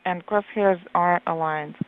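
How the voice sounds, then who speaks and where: A woman's voice: on the low side, steady tone, unhurried, a little hiss or hum. A woman giving a live translation voice-over as interpreter, hesitant and full of filler sounds as she renders controllers' words. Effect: live translation voice-over on an audio loop. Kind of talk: simultaneous interpretation of flight control talk. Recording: narrow phone-like radio loop.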